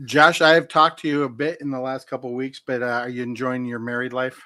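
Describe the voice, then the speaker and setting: A man's voice: mid-range voice, level tone, fast, bright, forceful tone. A man in his fifties hosting a comedy morning show, joking and self-mocking in casual banter. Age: 50s.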